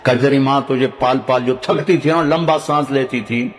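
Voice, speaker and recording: Older Pakistani preacher in a reverberant hall. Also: male voice, fairly even intonation. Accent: Pakistani Punjabi. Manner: storytelling preacher, recites Arabic verses in a low tone. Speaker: Islamic preacher. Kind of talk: sermon.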